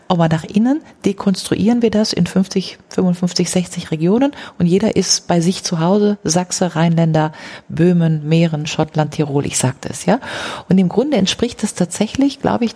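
A woman guest in an interview, explaining her ideas at length and tossing in tag questions as she goes. Her voice is dark and gravelly, with a husky edge. Her pitch leaps up whenever she stresses a point. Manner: talks in long runs, often adds tag questions and fillers; lively, jumping pitch on emphasis. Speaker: author and guest.

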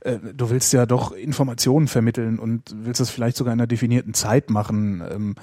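Male podcast host. Raspy, dry studio sound, informal deadpan chat. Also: mid-range voice, brisk, no room sound. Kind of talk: casual chat, answering listener questions.

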